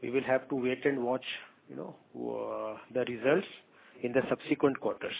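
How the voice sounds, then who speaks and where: An Indian-accented man gives unscripted business answers as a senior executive. His delivery is halting, with words and phrases repeated as he goes. The sound is narrow and tinny, like a phone conference line. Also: mid-range voice, fairly even intonation, gravelly, husky. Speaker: company executive answering analyst questions. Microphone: phone conference call.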